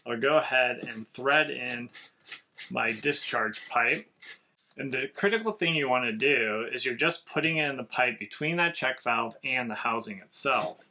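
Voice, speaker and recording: A man's voice: mid-range voice, measured pace, pushed and bright. A man in his thirties giving a methodical, step-by-step home repair lesson in a basement. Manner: clear, methodical, practical explaining. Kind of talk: step-by-step how-to explanation. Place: basement with concrete walls.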